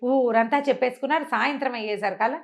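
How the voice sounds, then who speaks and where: Fast-talking, high-voiced woman storyteller. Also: vocal fry. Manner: colloquial, conversational. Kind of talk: lively oral folk-tale storytelling.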